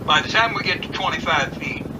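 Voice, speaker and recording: A man playing an unruffled, teasing pilot in an amateur radio drama, confident and relaxed in his banter. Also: on the high side, a little fast, heavy background noise, close to an everyday voice.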